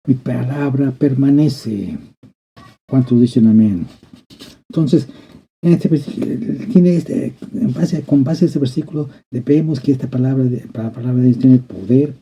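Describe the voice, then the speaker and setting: Husky-voiced male pastor preaching fervently. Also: mid-range voice. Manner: fervent, repeats and restarts phrases, calls out to the congregation. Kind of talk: sermon. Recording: dull lo-fi sermon recording.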